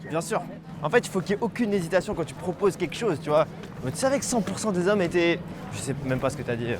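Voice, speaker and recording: A young man coaching a student out on a city street, animated and encouraging as he explains what went right and wrong. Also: high voice, quick pace. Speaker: dating coach. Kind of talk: on-the-spot coaching feedback. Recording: outdoor street with traffic noise.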